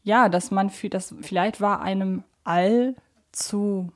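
A woman's voice: medium pitch, slow pace, darkish tone. A woman co-hosting a podcast in casual discussion, often circling back to rephrase in a hesitant way. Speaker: podcast co-host. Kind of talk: casual discussion of an audio drama series.

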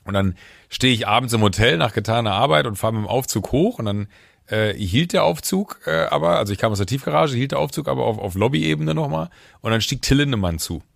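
Gravelly man telling a story in casual chat. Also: mid-range voice, fast talker, no room sound, clean studio sound. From Düsseldorf area, Germany. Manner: lively storyteller who acts out quoted dialogue; many fillers and restarts. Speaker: podcast co-host.

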